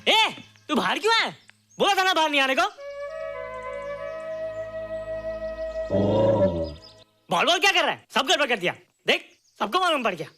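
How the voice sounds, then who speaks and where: An excitable childlike young man. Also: very high-pitched, fast. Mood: scolding. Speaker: son. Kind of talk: Bollywood film acting. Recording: film soundtrack with loud music. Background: film score music.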